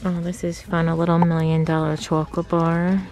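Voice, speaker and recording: In a large, noisy store, a masked woman in her thirties narrates a casual shop-with-me video on her phone. Her voice sits on the low side with a level tone and normal pace as she chats and muses over the shelves.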